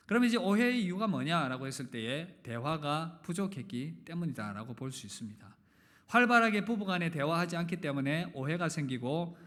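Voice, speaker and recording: A man from the Gyeongsang region preaching a sermon in a church, his rather high voice swinging through a lively range. He puts questions to the congregation and jokes with them, and now and then opens a point with a sudden loud push. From Gyeongsang region, Korea. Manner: animated, with sudden loud emphatic openings. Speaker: pastor. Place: church sanctuary. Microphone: live-streamed service mic.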